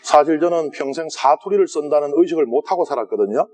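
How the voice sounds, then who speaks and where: A Catholic priest with a Gyeongsang Korean accent giving a Bible lecture to a congregation in a large church, chatty and asking the audience questions. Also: male voice, a little high, fast, a little mellow. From South Korea.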